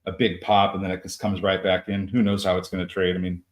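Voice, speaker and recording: A man co-hosting a live trading show, talking through price targets in a halting way with many fillers and restarts. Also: deep voice, level tone. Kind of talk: live market commentary.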